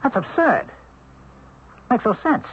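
Animated, skeptical police lieutenant. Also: male voice, very high-pitched, slow pace, dull audio, exaggerated voice. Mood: exasperated. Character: skeptical, excitable police lieutenant, exasperated by the facts. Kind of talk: old-time radio drama acting. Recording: band-limited, faintly noisy radio recording.

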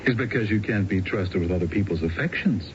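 Through a noisy, dull old radio broadcast comes a cocky American ex-con schemer. He is glib and utterly unabashed, his lowish voice swinging freely as he makes his pitch in 1970s radio-drama style. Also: lively intonation, fairly quick. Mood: sly, needling. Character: brazen male ex-convict hustler, cocky, smooth-talking schemer. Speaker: actor in a radio mystery drama.

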